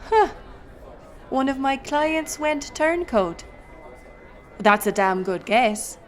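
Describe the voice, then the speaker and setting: A woman's voice: sits high, expressive, slow pace, a faint crowd. A woman playing a wry, roguish pirate smuggler captain, telling her tale theatrically in an audio roleplay. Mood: teasing, wry. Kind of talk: in-character audio roleplay storytelling.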